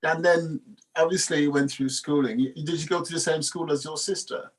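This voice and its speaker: A man's voice: on the high side, steady tone, a little fast, rough recording. A man conducting a casual interview, asking tentative questions and restarting his phrases.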